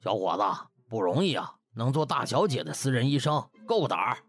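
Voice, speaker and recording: A man's voice: mid-range voice, very animated, fairly quick, faint music behind. A man voicing a chubby household cook with a knowing, sneering manner in a comic audiobook.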